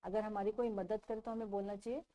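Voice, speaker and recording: A woman teaching a children's textbook lesson, repeating each question and answer slowly for young pupils. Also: medium pitch, flat delivery, mellow.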